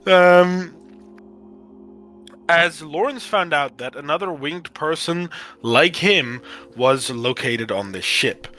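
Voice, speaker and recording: A man with a shredded, hoarse voice giving a halting recap of a tabletop game session, with frequent fillers and throat clearing. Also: on the high side, expressive, sharp tone.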